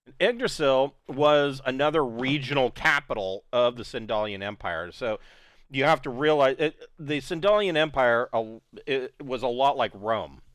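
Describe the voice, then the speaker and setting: A man's voice: medium pitch, expressive, normal speed, a bit bright, no echo. A man running a tabletop role-playing game as game master, narrating scenes and laughing often. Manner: laughs often, voices characters briefly.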